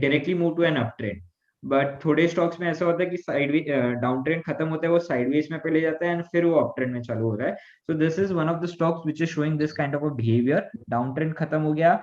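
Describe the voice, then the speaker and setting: A man's voice: on the high side, a little mellow, lo-fi sound. Man explaining stock charts. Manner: explanatory, mixes Hindi and English. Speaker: stock market analyst. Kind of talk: live webinar chart analysis.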